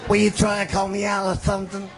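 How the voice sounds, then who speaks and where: Man, toothless, high voice, halting and combative contestant, live crowd behind. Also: monotone. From West Virginia. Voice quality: missing teeth. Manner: stumbling, combative. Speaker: audience contestant. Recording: noisy crowd at live venue.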